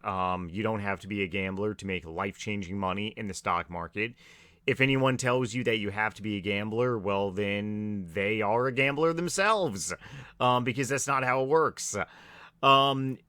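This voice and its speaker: A man who is raspy from allergies, giving a low-key, filler-heavy stock market vlog. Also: pushed and bright, no echo, clean studio sound. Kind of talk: casual market commentary.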